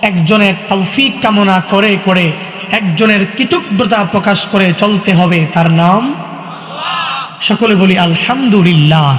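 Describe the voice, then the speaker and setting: A man preaching a sermon, tired and unwell but loud and fast, with a sing-song delivery and calls to the crowd. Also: high voice, background noise. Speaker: preacher at a religious gathering. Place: outdoor religious gathering. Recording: echoey PA sound with long reverb.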